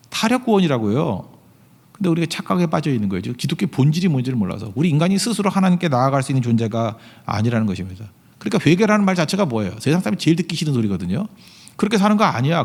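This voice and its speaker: A man's voice: mid-range voice, a little mellow. A middle-aged man preaching a sermon as pastor, emphatic and full of rhetorical questions to the congregation. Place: large church sanctuary. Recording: long reverb of a church hall.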